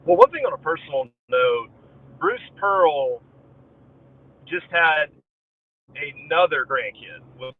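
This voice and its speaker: A man's voice: fairly high pitch, very animated, slow pace, long pauses, no room sound. A man co-hosting a casual sports talk show over a remote connection. His audio clips, distorts and keeps cutting out. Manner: loose, filler-heavy talk. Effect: clipping, distorted call audio that keeps cutting out. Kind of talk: casual sports podcast chat. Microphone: remote call connection. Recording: tinny, dry, clipping remote call line.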